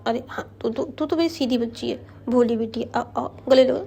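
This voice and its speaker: A woman's voice: on the high side, normal speed, gravelly, dark tone, breathy edge. A woman doing a scolding motherly aunty. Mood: doting. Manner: scolding, then doting. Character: stern but loving middle-aged mother, theatrical.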